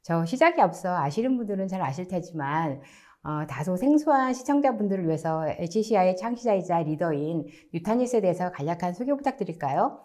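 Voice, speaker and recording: A woman's voice: on the low side, expressive, brisk, mellow. A woman hosting a webinar, reading scripted announcements in a polite, formal presenter manner. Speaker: webinar host.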